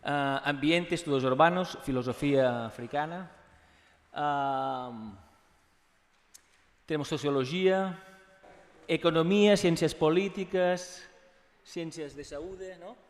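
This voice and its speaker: A man with a Catalan accent presents at an academic conference, his voice pitched a little above the usual. He stops and restarts often and slides between languages as he goes. The sound carries a long reverb from a university hall. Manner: halting, many fillers and restarts, drifting between languages.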